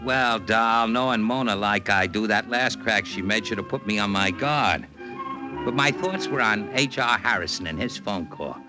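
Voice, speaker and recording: An actor playing a brash, fast-talking male Hollywood talent agent in a 1940s radio drama, full of slangy patter. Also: on the low side, natural voice, poor audio. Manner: brash slangy patter, calls listener doll. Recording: old radio transcription with music.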